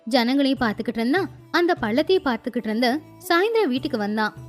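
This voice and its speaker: A woman narrating a children's moral story in a lively, sing-song storytelling manner. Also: sits high, racing. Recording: faint music behind.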